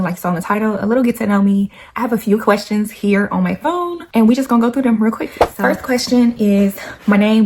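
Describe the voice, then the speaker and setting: A woman's voice: fairly high pitch, darkish tone, slight background noise. A woman, chatting casually and laughing often as she answers get-to-know-me questions. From Nashville, Tennessee. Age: 20s. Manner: chatty, laughs often, slangy asides to viewers. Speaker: YouTuber.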